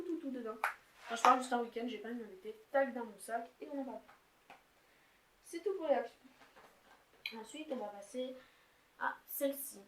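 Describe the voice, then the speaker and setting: Chatty young woman in an echoey room. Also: a little high. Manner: chatty, rambling, filler-heavy. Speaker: beauty vlogger. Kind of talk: casual makeup haul chat. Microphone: camera's built-in mic. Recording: echoey room, faint noise.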